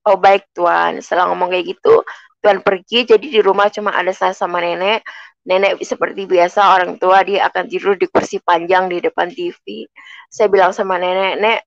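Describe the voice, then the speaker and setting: A woman's voice: on the low side, little pitch movement, brisk, creaky, dry recording, lo-fi sound. A woman from Indonesia giving an earnest personal faith testimony, speaking to listeners as friends.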